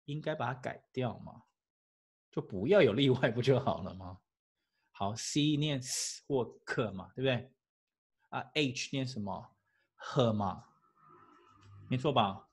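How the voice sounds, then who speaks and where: A man, an English teacher giving a lively classroom lecture full of rhetorical questions and chuckles. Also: medium pitch, unhurried, long pauses, slightly rough.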